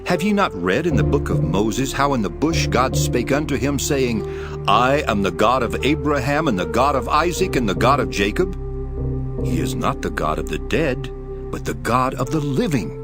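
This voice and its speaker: A man playing Jesus as a solemn, authoritative teacher with measured delivery in a dramatized scripture reading. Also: mid-range voice, big pitch swings, natural voice. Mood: stern, reproving. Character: Jesus, calm authoritative male teacher rebuking and instructing. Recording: voice over prominent background music.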